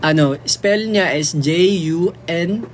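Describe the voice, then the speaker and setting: A young man from the Philippines hosts a casual livestream into a phone, with a voice that sits a little higher than most men's. He chats in a playful, easygoing way, reading viewer comments aloud and answering them, and he hops between languages mid-sentence. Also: slow, a little hiss or hum. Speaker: livestream host.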